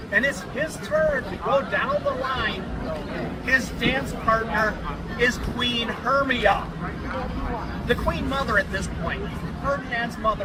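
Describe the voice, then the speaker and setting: A male Renaissance faire bard with a very high-pitched voice tells a tale slowly and theatrically, in old-fashioned storybook language. He is recorded live amid loud crowd noise. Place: outdoors at a Renaissance fair. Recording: noisy outdoor fair with crowd chatter.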